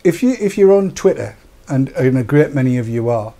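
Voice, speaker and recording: An older man hosting a casual studio chat, croaky after dental work, jokey and rambling. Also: mid-range voice, expressive, brisk, dark tone. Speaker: host. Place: small studio with dark backdrop. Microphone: lapel.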